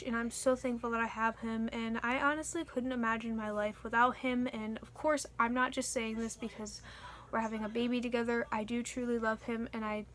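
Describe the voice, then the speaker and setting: Young woman vlogger, pitched a bit high, chatty and earnest, loose casual delivery with fillers. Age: young adult. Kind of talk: casual Q and A vlog.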